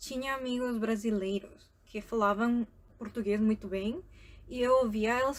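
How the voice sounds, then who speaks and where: Speaking in a strong Latin American Spanish accent, a woman uses a fairly high pitch, ordinary pitch variation and a moderate pace. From South America. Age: 20s. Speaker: vlogger and English teacher. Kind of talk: casual vlog talk. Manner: unscripted, natural.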